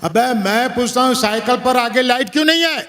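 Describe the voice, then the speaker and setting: A man voicing a gruff night-patrol policeman who barks scolding questions. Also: very high voice, fairly quick, sharp tone, in a large hall, pitched above the performer's own voice.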